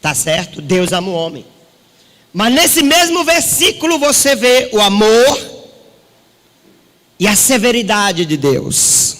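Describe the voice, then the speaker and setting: A man preaching a sermon as a pastor, asking rhetorical questions and swinging his pitch for drama. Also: very animated, slow, pauses often, fairly bright tone, long reverb tail.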